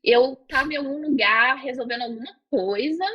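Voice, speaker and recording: A woman's voice: sits high, normal speed, husky, muffled recording. A woman, a podcast guest telling stories casually and animatedly. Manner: animated, acts out quotes with gasps and laughs. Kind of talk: casual storytelling.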